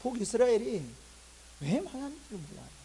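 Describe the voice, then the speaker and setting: A man's voice: very high-pitched, big pitch swings, fairly quick, warm tone, slight background noise, poor audio. A male pastor preaching a sermon, repeatedly asking the congregation rhetorical questions and answering them emphatically. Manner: voices God and complaining believers in raised tones.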